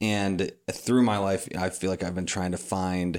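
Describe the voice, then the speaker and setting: In a monotone, flat intonation, this voice carries an American accent on a very clean recording with a silent background. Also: man. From Madison, Wisconsin, US Midwest. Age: 20s. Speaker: podcast host. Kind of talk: interview conversation. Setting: in the guest's home.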